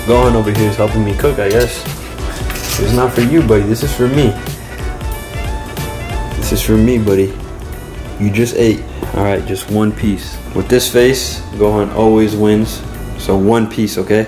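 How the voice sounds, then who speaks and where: A man speaks at a moderate pace with long, frequent pauses while clear music plays in the background. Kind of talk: casual vlog chat. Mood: playful, affectionate. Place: kitchen. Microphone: phone near.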